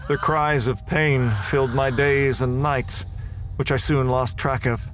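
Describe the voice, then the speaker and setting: A man's voice: mid-range voice, steady tone, unhurried, a bit bright, raised voice, faint music behind. A man performing scripted, dramatic first-person narration for a horror audio drama.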